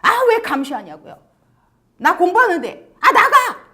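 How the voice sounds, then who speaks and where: Woman doing a defiant teenager, irritated, fast, very bouncy pitch. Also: huge pitch swings. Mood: angry. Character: sulky teenager snapping back at a parent.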